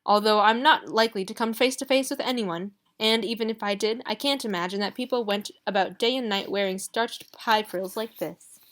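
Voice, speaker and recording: A woman's voice: medium pitch, moderate pace, fairly bright tone, lightly acted. A woman voicing a wry, teasing young man. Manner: sardonic.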